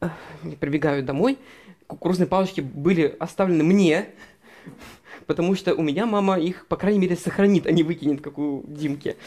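Long, frequent pauses mark this man's moderate pace, with ordinary pitch variation. He has a high pitch and a dark, mellow tone. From Russia, Murmansk. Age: 20s. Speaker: actor. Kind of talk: personal storytelling. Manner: hesitant, many fillers.

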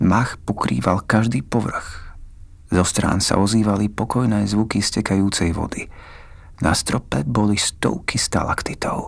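With vocal fry and a menacing, dramatic tone, a man speaks fairly slowly at a fairly low pitch, using ordinary pitch variation. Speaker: true-crime narrator. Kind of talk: true-crime horror narration, first-person as a Nazi occupier. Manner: grim, slow, suspenseful, dramatic storytelling; cold, detached, menacing.

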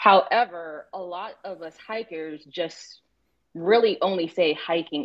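With a plain, everyday voice, a woman talks fairly slowly at a fairly low pitch. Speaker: hiker. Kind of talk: casual chat.

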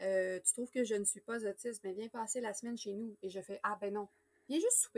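A woman with a Quebec accent and a fairly high voice talks at a fairly quick pace, the sound dry and close with no echo. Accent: Québécois French. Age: 30s. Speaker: guest sharing personal experience. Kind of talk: casual interview. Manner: loud, talkative.

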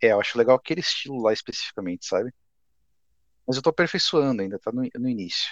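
Speaking very fast at a medium pitch with lively intonation, a man leaves long, frequent pauses. The sound is dry and close with no echo, and the background is quiet. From Rio Grande do Sul, southern Brazil. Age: 20s. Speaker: digital artist. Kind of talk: casual chat.

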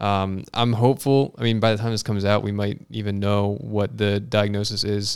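A man talks at a moderate pace in a plain, everyday voice, fairly low in pitch with fairly even intonation. The recording is very clean, with a silent background. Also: hardly any pauses. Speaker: guest sports fan. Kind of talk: casual banter.

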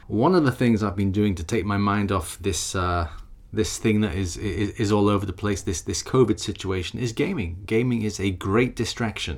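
An unremarkable speaking voice from a man, fairly low in pitch, at a moderate pace. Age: middle-aged. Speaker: podcast host, tabletop gamer. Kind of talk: solo podcast monologue, casual. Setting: home recording, voice recorder on table. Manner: casual, rambling, self-correcting.

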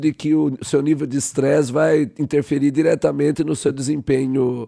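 Over a silent background on a very clean recording, a man speaks with a fairly high pitch and a dark, mellow tone. His pace is moderate and his intonation fairly even. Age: 30s. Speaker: podcast host. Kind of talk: casual chat.

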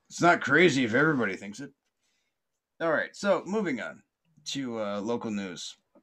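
This man, with an Upper Midwest US accent, has a medium pitch with very wide pitch swings and big swings in loudness. He keeps a moderate pace in a bright, sharp tone, with long, frequent pauses. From Madison, Wisconsin. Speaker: podcast host. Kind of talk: casual rambling chat. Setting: video call, late night. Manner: rambling, halting, stammering.

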